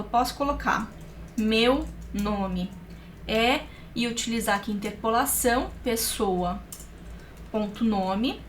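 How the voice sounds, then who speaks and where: A woman's voice: fairly high pitch, fairly bright tone, slight background noise. A woman teaching a programming course, explaining each step directly to her viewers. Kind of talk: screencast coding tutorial.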